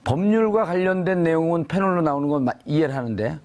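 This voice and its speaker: A man's voice: a little high, animated, quick pace, darkish tone. A man hosting a live panel talk, bantering with his guests and teasing them with provocative, joking questions. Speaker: talk show host.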